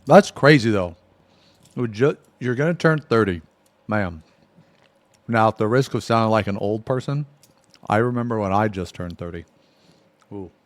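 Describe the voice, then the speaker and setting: Here a late-thirties man goes through viewer comments on a casual stream, often laughing and drawing out the word "man" as he trails off. His lowish voice has lively intonation, captured in a dry recording.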